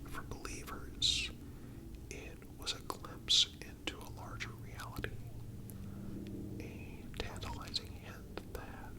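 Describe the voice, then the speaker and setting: A man narrating a scripted story for ASMR in a breathy, unvoiced whisper, deliberate and pausing between phrases. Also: rough recording.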